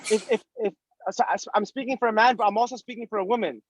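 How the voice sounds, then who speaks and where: A man's voice: sits high, steady tone, quick pace, a little hiss or hum. A man in his thirties giving casual, explanatory advice in an interview, stressing points with repetition and rhetorical questions. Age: 30s.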